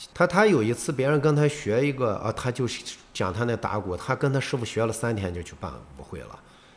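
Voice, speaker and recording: A man at medium pitch speaks at a fairly quick pace with lively intonation and vocal fry. His loudness swings widely. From Yinchuan, northwest China. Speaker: rock band lead singer. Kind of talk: casual interview.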